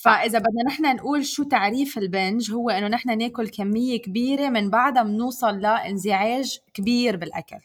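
A woman's voice: on the high side, fast talker, hardly any pauses. A woman with a Lebanese Arabic accent hosting an interview, mixing some English words into her Arabic. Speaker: interview host. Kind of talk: podcast interviewing with scripted intro and casual chat.

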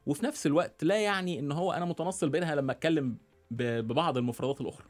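Fast-talking Cairene Egyptian man. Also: on the high side. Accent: Cairene Egyptian Arabic. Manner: thoughtful, many hesitations and restarts. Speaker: interview guest, digital media journalist. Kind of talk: conversational interview. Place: radio studio.

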